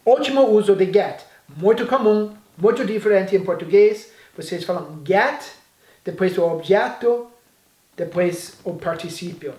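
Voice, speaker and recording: A man whose first language is English, teaching an English lesson in Portuguese and saying the model phrases slowly and carefully. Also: high voice, animated, a little mellow, reverberant.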